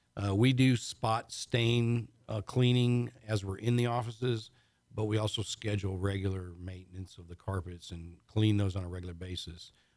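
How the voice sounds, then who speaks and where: In a very clean recording with a silent background, a man with an American accent and a normal speaking voice talks at a fairly low pitch and moderate pace, with fairly even intonation and big swings in loudness. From Michigan, US Midwest. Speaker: business owner. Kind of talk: radio interview. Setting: studio.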